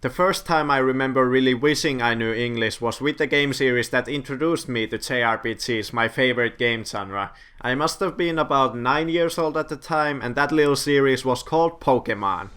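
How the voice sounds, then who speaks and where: A man's voice: medium pitch, normal speed, hardly any pauses, fairly bright tone, smooth. A man, a gaming channel host telling a nostalgic story from his childhood with light self-deprecating humor. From Finland. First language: Finnish. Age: 20s. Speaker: gaming YouTuber. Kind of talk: story time vlog narration.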